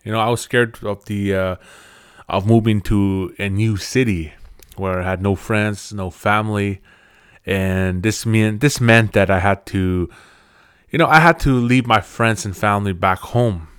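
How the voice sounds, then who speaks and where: A man in his thirties whose first language is Cree, hosting a podcast and telling a personal story in a casual, halting way, often restarting his phrases. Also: fairly low pitch, clean tone, dry recording, studio quality. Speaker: podcast host.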